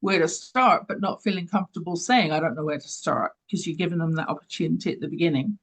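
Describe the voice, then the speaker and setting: A woman's voice: low voice, quick pace. An older woman with an English accent, a leadership coach answering interview questions in an earnest, emphatic way. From London, England. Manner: earnest, emphatic, speaks with conviction. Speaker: guest, leadership coach and author.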